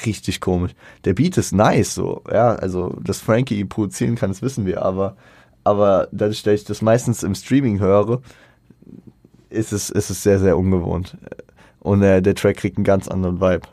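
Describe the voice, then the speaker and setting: A man with a lowish, mellow voice talks through a music review in a relaxed, casual way. He keeps restarting his sentences and filling pauses, dropping slang as he goes. The sound is dry and close. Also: dry recording. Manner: hesitant, many fillers and restarts; colloquial slang. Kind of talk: casual spoken album review.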